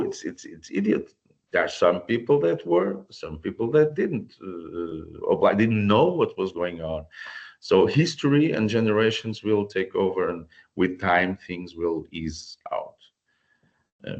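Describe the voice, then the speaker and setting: Low-voiced Portuguese man on a muffled call. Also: sing-song, measured pace, vocal fry, a little mellow. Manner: earnest, with many restarts and repeated words. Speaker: guest volunteer. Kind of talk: online panel talk. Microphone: video call. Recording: dull lo-fi video call audio.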